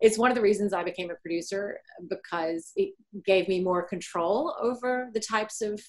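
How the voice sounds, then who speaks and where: A woman with a normal speaking voice talks at a medium pitch with ordinary pitch variation. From US South, rural Tennessee. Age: 40s. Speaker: actress and producer. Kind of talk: interview conversation.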